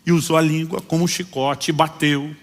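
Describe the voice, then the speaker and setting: A pastor delivers a sermon in a slightly high, brisk male voice, animatedly acting out anecdotes and voicing the people in his stories. A long hall reverb hangs over the recording.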